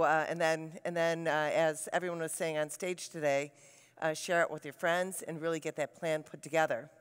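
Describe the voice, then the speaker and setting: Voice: medium pitch, a bit bright, smooth. A conference presenter introducing the next speaker in an upbeat, loose way with fillers. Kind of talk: conference stage hosting. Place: large conference hall. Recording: long hall reverb.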